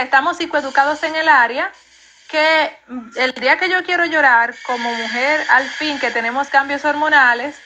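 A woman therapist calmly explaining emotions and grief in an interview, in a reassuring, explanatory way. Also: sits high.

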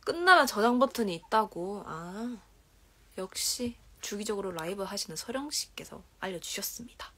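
An animated young woman in her twenties talks at normal speed in a medium-pitched voice with a breathy edge. As an idol livestream host in a dim bedroom, she reads comments aloud and chats casually, speaking with a Korean regional accent into a phone held at arm's length. She's soft-spoken and frequently slides into whispers and giggles.

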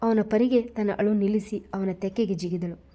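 A woman narrating a romantic suspense story with an expressive, dramatic delivery. Her voice is mellow and warm, with an even middle pitch. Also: moderate pace.

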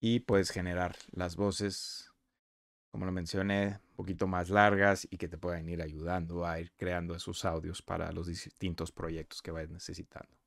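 Low gravelly man explaining software. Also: little pitch movement, moderate pace, no room sound. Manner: conversational, explaining step by step. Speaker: software reviewer. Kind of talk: screen-recorded software walkthrough. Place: voice-over on a screen recording.

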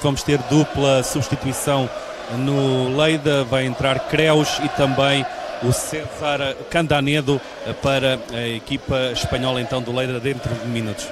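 A man's voice: mid-range voice, little pitch movement, moderate pace. A man giving live sports commentary as the second commentator. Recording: noisy sports hall, crowd din. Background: crowd and hall noise.

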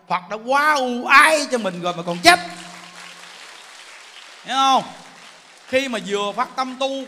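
High-voiced Southern Vietnamese male preacher. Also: pushed and bright. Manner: emphatic, keeps asking listeners "understand? see?". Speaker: Buddhist preacher. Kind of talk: Buddhist sermon. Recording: long hall reverb.

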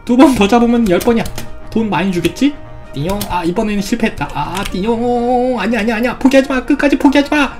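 Woman gamer, bright high voice, bubbly let's-play commentary with sound effects, faint music under it. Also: fairly quick. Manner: playful, exclamatory, lots of sound effects. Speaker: gaming YouTuber.

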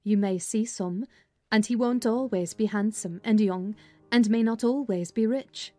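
A woman with a dark, mid-range voice speaks unhurriedly, lightly acted and with no room sound, as music plays beneath her. In a dramatized audiobook she voices a sensible, skeptical servant advising her young mistress, practical and chiding, her tone dry and questioning.

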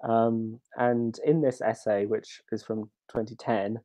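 A man's voice: medium pitch, level tone, slow, dark tone. A man in his thirties with a cold, giving an academic talk on a video call from home, hesitant with many fillers and restarts. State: has a cold, sniffling. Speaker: academic speaker. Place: home room at a wall hanging. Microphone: laptop video call.

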